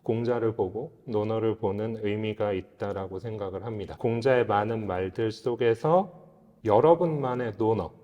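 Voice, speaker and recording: A man's voice: fairly low pitch, moderate pace, highs cut off. A man speaking as a guest expert, explaining philosophy in an earnest, reflective, lecture-like way. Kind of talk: explanatory interview talk on philosophy. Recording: reverberant hall-like room.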